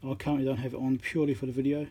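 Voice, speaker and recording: A man giving casual hands-on commentary as he works, halting and half talking to himself while he concentrates, recorded on a phone at an indoor workbench. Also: medium pitch, flat delivery, mellow, husky. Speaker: electronics repairer, channel host. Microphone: phone on a tripod above the work. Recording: noisy room recording on a phone.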